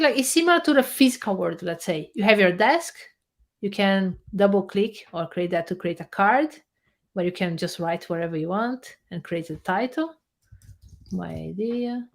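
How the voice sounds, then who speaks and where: A woman researcher and software developer, a guest in a casual interview, talking animatedly as she walks through a software demo on screen. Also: mid-range voice, moderate pace. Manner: animated, explains while clicking through a screen demo, many restarts.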